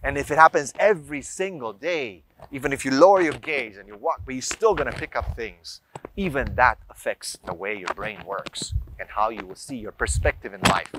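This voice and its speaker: Against a noisy background, a man with a mid-range voice speaks at a moderate pace. He's a religious advice speaker delivering an informal, emphatic teaching session to viewers, full of rhetorical questions and example lists.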